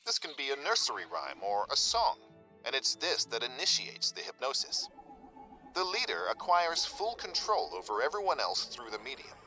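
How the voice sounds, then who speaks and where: A man voicing clinical research notes in a video game, measured and matter-of-fact. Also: mid-range voice, sing-song, bright, forceful tone, faint music behind, low-quality recording. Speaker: document narrator. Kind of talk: read-out document narration.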